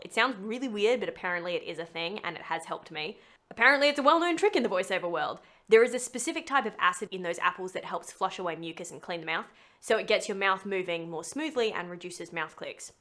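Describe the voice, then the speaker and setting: A woman with a mid-pitched voice presents a scripted how-to. She is chatty and playful, slipping wry asides into her instructions as a voice actor teaching her craft. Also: lively intonation, a little fast, pushed and bright. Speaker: voice actor giving a tutorial. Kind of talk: scripted tutorial narration.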